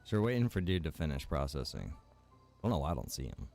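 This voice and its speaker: A man's voice: rumbling low, big pitch swings, quick pace, vocal fry, darkish tone, faint music behind. A man streaming a game, chatting casually with viewers, rambling and joking as he plays. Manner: rambling and joking, chats to viewers and reacts while playing.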